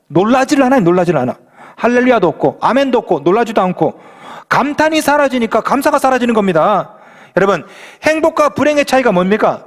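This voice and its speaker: A male pastor preaching a lively sermon in a church, playful and full of exclamations. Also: high voice, long reverb tail.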